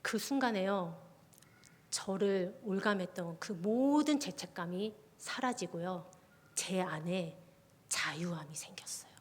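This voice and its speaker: A woman, a junior pastor, giving a testimony sermon at a midweek prayer service, often dropping her voice to a soft whisper. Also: fairly low pitch, lively intonation, measured pace. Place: church sanctuary. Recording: long reverb of a church hall.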